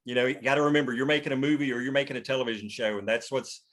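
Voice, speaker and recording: A man's voice: mid-range voice, very fast, fairly bright tone. A man talking casually and emphatically as a screenwriter, explaining his thinking in a rambling way. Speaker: screenwriter leading a script table read. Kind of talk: casual discussion.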